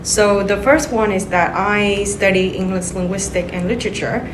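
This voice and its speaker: A woman's voice: medium pitch, steady tone, normal speed, background noise. Young Vietnamese woman student, echoey room. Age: young adult. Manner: earnest, enumerates reasons. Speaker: exchange student. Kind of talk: casual interview answers.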